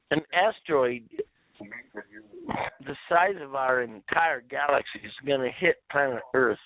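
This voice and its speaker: High-pitched man on a tinny phone line. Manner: halting, repetitive, drawn-out. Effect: telephone voicemail. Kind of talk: rambling voicemail monologue.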